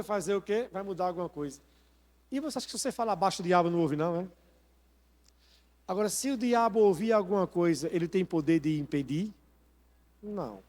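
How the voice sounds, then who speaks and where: A man's voice: sits high, darkish tone, big-room sound. A man, a pastor preaching a sermon in a church and prompting the congregation with rhetorical questions. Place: church sanctuary.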